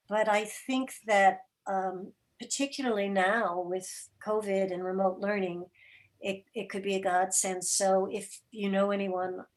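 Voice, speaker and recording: A woman with a medium-pitched voice talks as a guest producer in an online meeting. She explains things conversationally and thoughtfully, pausing and picking her way through sentences. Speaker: guest, producer of an audio theater program. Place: remote video call.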